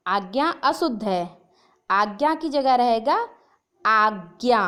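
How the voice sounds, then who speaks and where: Woman teacher going over spelling, slow and careful, higher voice that rises and falls a lot. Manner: slow and deliberate, repeating each word and stressing letter sounds. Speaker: Hindi grammar teacher. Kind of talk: explaining a lesson over slides.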